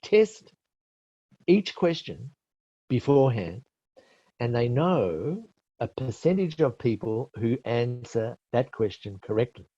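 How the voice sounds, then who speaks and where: Australian man, mellow husky webinar voice. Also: medium pitch, big pitch swings, no echo. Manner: explains slowly and patiently, with fillers and self-corrections. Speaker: IELTS expert presenter. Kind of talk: webinar teaching with answers to questions. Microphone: webinar call mic. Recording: dull lo-fi webinar audio.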